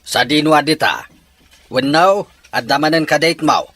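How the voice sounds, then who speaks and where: A man playing a stern, suspicious middle-aged father in an audio drama, with a husky voice and a gruff, questioning manner. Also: fairly high pitch, normal speed, a bit bright. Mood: probing. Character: stern, suspicious father interrogating his grown child.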